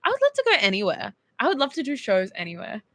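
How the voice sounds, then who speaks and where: Bubbly Australian woman, bright lively voice. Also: fairly high pitch, fast, no echo. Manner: bubbly and animated. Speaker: singer reading fan texts on a livestream. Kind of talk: casual livestream chat. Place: bedroom.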